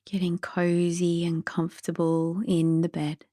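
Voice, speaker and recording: A woman gently guiding a sleep meditation in a soothing, soft and breathy voice that drifts toward a whisper. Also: fairly low pitch, monotone, unhurried, no echo, studio quality. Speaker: meditation guide.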